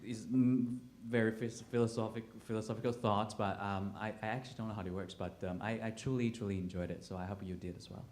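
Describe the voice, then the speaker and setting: A man's voice: fairly low pitch, fairly even intonation, fast talker, few pauses, darkish tone. A man with a Taiwanese accent speaking as a playwright and director on a panel, searching for words and repeating himself as he goes. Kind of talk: panel discussion, spontaneous personal account.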